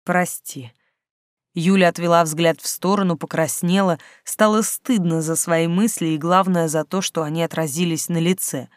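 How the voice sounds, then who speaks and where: An audiobook narrator reading a story in an even, measured way. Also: medium pitch, dry recording, clean studio sound. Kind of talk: scripted narration.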